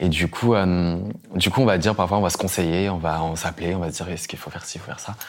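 Fairly even intonation in a very deep, low male voice. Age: 20s. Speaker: YouTuber and singer. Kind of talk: casual chat.

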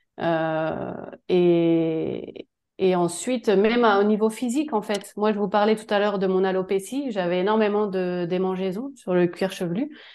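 A woman with a plain, everyday voice speaks at medium pitch and a fairly slow pace, with ordinary pitch variation. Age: 40s. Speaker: reiki student. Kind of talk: casual chat.

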